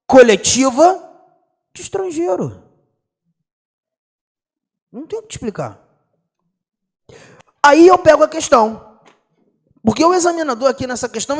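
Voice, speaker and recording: Man, young adult, Brazilian Portuguese accent, high voice, slangy law teacher, rhetorical questions. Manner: slangy, animated, asks students rhetorical questions. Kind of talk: exam-prep lecture.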